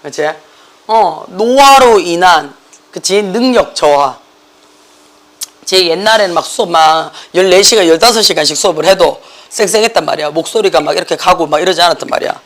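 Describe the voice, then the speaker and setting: A middle-aged academy teacher lectures his class briskly in a worn, hoarse, mid-range voice with a Gyeongsang accent. He's lively and jokey, and English words keep slipping into his Korean.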